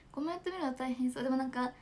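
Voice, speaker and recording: A woman's voice: high voice, darkish tone. A young woman from Japan, chatting casually with fans on a smartphone livestream, giggling and reading out comments. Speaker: idol livestreamer.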